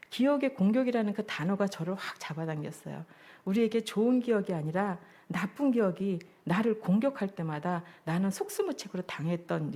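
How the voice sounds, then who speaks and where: Woman pastor giving a sermon in church, lowish warm voice, earnest, reflective testimony. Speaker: junior pastor preaching. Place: church service.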